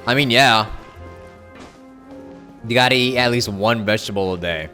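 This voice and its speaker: A man's voice: medium pitch, moderate pace, sharp tone, faint music behind. A man live streaming a video game, chatting casually and reading aloud in an offhand way. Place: indoors, streaming with game music behind.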